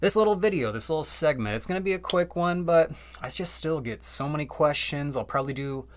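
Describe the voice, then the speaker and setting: A man's voice: on the high side, fairly quick. Chatty young man live streaming. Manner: loose, chatty, slangy, with many fillers. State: slightly out of breath. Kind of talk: casual live stream chat.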